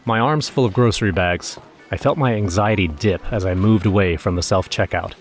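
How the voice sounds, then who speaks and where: Man acting an uneasy young narrator, lowish voice, scripted horror storytelling, music underneath. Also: normal speed, close to an everyday voice. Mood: uneasy, tense. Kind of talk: first-person scripted horror narration with acted dialogue.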